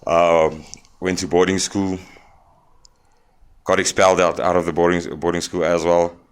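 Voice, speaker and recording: Brief: young South African man, very low voice, smooth and clear, frank interview guest. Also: flat delivery. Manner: plain-spoken, halting with fillers. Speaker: podcast guest. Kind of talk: candid interview storytelling.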